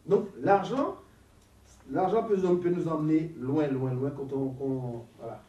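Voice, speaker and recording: A man with a cold leading a Christian talk on marriage, casual and lively, laughing often and repeating words. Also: on the high side, unhurried, dull audio. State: has a cold. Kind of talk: casual teaching talk with a group. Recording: echoey room, from a distance, faint noise.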